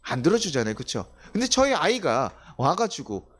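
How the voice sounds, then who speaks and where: A male pastor preaches a conversational sermon, posing rhetorical questions to the congregation and acting out the quoted voices of children and God. His voice is a little high, sing-song and fairly bright, at a moderate pace.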